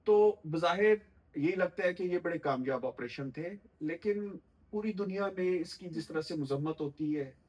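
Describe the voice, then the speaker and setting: A middle-aged man, a guest commentator giving measured political analysis in formal language with frequent thoughtful pauses. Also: high-pitched, a little mellow, low-quality recording.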